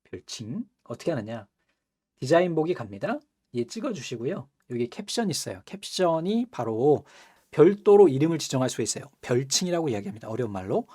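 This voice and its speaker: Chatty man teaching software, mellow voice. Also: medium pitch, very animated, brisk, breathy edge. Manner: chatty, asks students rhetorical questions, laughs often. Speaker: computer skills instructor. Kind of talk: screen-recorded software tutorial.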